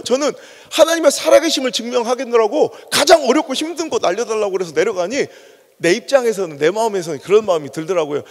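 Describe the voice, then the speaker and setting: A husky-voiced male preacher with a Chungcheong accent delivers a sermon full of anecdotes. His pitch is high and very animated, and his voice rings with the long reverb of a large church. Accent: Chungcheong Korean. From Chungcheong, Korea. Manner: animated storytelling with acted-out dialogue. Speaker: pastor. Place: church sanctuary.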